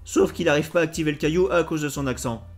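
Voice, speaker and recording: A man's voice: a little high, fast. A man narrating a mocking, slangy comic recap as commentary, with music behind him.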